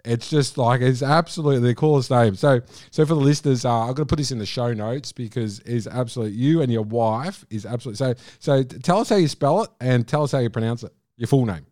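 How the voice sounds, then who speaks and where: Effusive podcast host. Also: male voice, medium pitch, a little fast, few pauses, darkish tone, no room sound, studio quality. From Australia. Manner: effusive, repeats superlatives. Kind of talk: enthusiastic podcast interview. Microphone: remote call.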